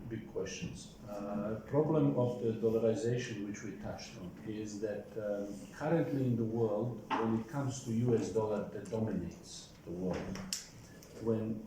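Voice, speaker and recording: A man, a company CEO, answering audience questions at a forum, halting and full of fillers and restarts. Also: on the low side, noisy background. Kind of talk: panel Q&A answer. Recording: very echoey hall.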